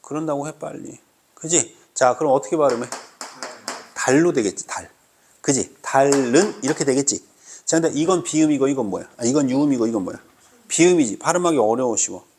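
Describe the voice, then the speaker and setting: A man's voice: medium pitch, fairly quick, a little mellow, a little hiss or hum. Teasing male teacher quizzing his class. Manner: teasing, mock-scolding, quizzing students constantly. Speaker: Korean language teacher. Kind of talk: classroom grammar lecture. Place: classroom with students.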